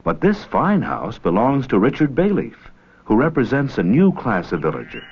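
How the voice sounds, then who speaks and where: A man's voice: mid-range voice, huge pitch swings, normal speed, husky. A man reading scripted educational documentary narration on an old film soundtrack. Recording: muffled, faintly noisy old 16mm film soundtrack.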